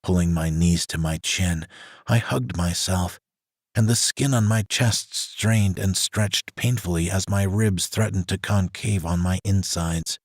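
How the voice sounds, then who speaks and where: A man reading a romance audiobook aloud in the first person, in an even, scripted narration. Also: low voice, unhurried, dry recording, clean studio sound. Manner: reads a woman's first-person story in an even voice.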